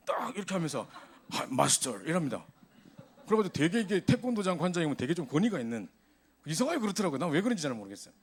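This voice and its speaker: A man preaching a sermon to a youth service, telling stories in an animated way. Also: on the high side, breathy edge. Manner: animated storytelling, voice rising in exasperation.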